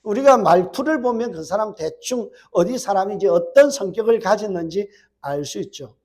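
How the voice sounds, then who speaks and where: Fast-talking high-voiced pastor with Gyeongsang accent. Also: male voice, expressive, a little mellow. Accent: Gyeongsang Korean. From Gyeongsang, South Korea. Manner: asks the congregation rhetorical questions. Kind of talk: sermon.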